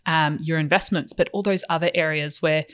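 A podcast co-host explaining finances in a steady, measured way with some filler words. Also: mid-range voice.

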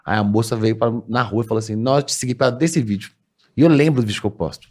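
Man, quick animated talker, casual podcast chat energy. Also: lowish voice. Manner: fast-talking, animated storyteller with slang.

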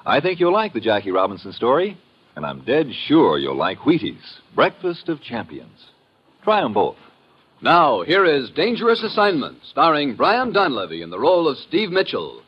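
A man's voice: on the high side, huge pitch swings, moderate pace, breathy edge. A man with an American accent announcing and selling on 1950s radio in an emphatic, folksy way. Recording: dull old radio recording.

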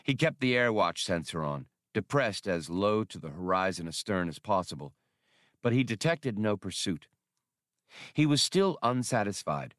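A man with a fairly low voice narrates an adventure novel as an audiobook reader. The recording is dry and close, with very little room around the voice. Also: very animated, normal speed, a bit bright, no echo.

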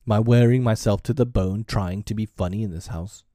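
A man's voice: fairly low pitch, normal speed, warm tone, dry recording, studio quality, close to an everyday voice. A man voicing a blustering, petulant middle-aged father in a storybook, bombastic and full of wounded pride. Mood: bitter roaring. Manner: bombastic, wounded, prone to roaring.

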